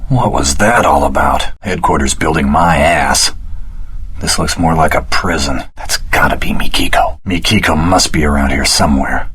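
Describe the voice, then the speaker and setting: An actor playing a wry, world-weary swordsman hero in a video game, speaking in a dry, casual, gravelly voice. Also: deep voice, fairly bright tone. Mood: wary, sardonic. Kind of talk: scripted video game voice acting.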